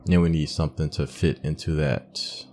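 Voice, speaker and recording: Man, very low pitch, mellow dark tone, casual gameplay commentary, thinking out loud, faint music behind. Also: steady tone, moderate pace. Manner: musing aloud, talking through each step. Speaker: gaming streamer playing through a video game. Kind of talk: casual let's-play commentary.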